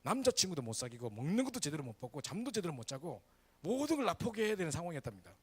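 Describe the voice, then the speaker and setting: A man preaches a sermon in a church. His delivery is animated and swift, his voice sitting a touch high and swinging widely in pitch as he keeps turning to the congregation for agreement. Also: rapid-fire, husky. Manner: lively, animated preaching with frequent "그죠?" asides to the congregation. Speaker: pastor. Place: church sanctuary.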